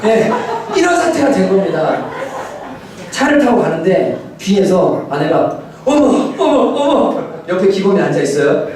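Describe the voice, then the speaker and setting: A man preaching a sermon, telling a family story with lively voices for his wife and son. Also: sits high, normal speed. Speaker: pastor. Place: church sanctuary. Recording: echoey church hall, mic at a distance.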